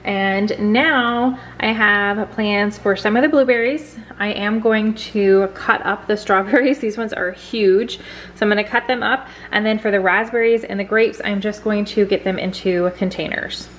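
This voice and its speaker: A woman's voice: mid-range voice, normal speed. A woman in her thirties chatting to viewers while washing and prepping fruit in her home kitchen. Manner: chatty, addresses viewers directly. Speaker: vlogger. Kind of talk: casual kitchen vlog narration.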